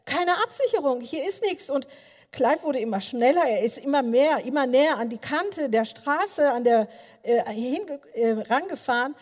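A woman's voice: sits high, moderate pace. Older woman preaching in a reverberant hall. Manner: animated storytelling, many filler sounds, addresses listeners directly. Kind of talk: sermon with personal stories. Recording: long reverb of a large hall.

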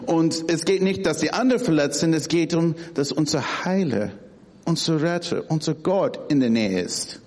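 Man, middle-aged, preacher, sermon, halting speech with repeated words, slightly high voice, long hall reverb. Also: a little mellow.

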